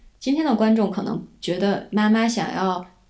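A woman's voice with audible room echo. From Northeast China, Shenyang. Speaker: writer. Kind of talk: casual chat.

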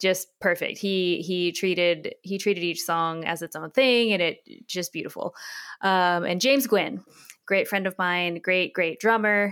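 A woman with an American accent and an unremarkable speaking voice speaks at medium pitch and a fairly slow pace in a very clean recording with a silent background. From Texas. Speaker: musician. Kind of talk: casual chat.

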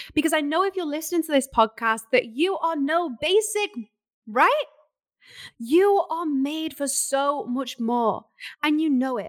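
A woman with a British accent, high-pitched, animated and energetic, with lively intonation at a fairly slow pace. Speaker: business mentor and podcast host. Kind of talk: solo podcast monologue. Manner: animated, energetic; loud.

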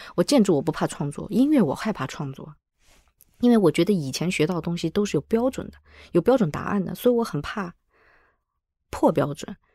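Dry and close with no echo on a very clean recording with a silent background, a woman with a fairly low pitch and a dark, mellow tone speaks with lively intonation, big swings in loudness and long, frequent pauses. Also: fairly quick pace. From Hangzhou, China; moved to US at 14. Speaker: architect and teacher. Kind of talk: interview conversation. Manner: repeats words, hesitant starts.

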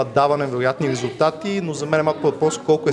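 Noticeable background noise sits behind a man speaking at a fairly quick pace. His pitch is fairly high, with ordinary variation. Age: 30s. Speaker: fitness and nutrition enthusiast. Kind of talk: podcast interview. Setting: recorded in a bar with background music.

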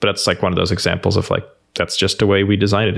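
A man talks with a Dutch accent. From Netherlands. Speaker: app designer and co-founder. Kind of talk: interview.

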